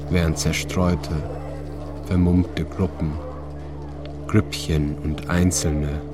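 A man reading a literary story as narrator, calm and measured, with pauses between phrases. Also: deep voice, very noisy. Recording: studio voice over loud music and sound design.

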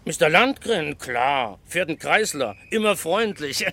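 A man's voice: fairly high pitch, lively intonation, a little slow, sharp tone, full character voice. An actor playing a chatty, simple parking attendant in a radio crime play, deferential and eager, often hesitant as he thinks.

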